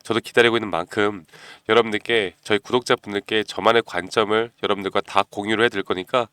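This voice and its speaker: A man hosting a stock market channel, talking persuasively to viewers and often clearing his throat because of a cold. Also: on the low side, fairly even intonation, quick pace, fairly bright tone, dry recording, clean studio sound. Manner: persuasive, keeps asking viewers "you know?". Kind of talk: stock analysis talk to viewers.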